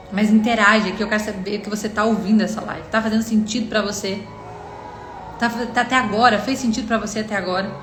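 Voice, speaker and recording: On a live stream, a Brazilian woman with a Brazilian Portuguese accent delivers an earnest devotional in a medium-pitched, slightly bright voice, speaking directly to viewers and quoting God's words to her in dialogue. The room echoes with faint music, and there's a little hiss or hum.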